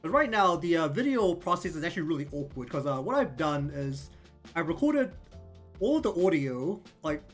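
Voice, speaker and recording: A man's voice: a little high, very animated, moderate pace. A man with a New Zealand accent chatting casually on his livestream, rambling with lots of ums and likes. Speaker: streamer and artist. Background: faint lofi music.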